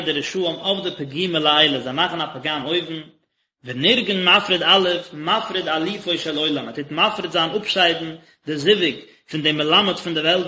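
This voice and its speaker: A man's voice: a little high, sharp tone. A man, a rabbi, teaching a daily religious text lesson and explaining it phrase by phrase in short bursts. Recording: echoey, dull lo-fi recording.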